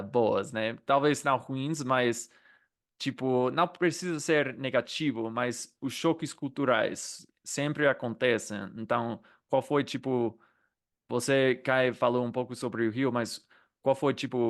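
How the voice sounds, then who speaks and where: A man hosting an interview, asking questions in a relaxed way with plenty of fillers. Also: mid-range voice, a little slow. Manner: friendly questioning with many fillers. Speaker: host and interviewer. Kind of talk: casual interview.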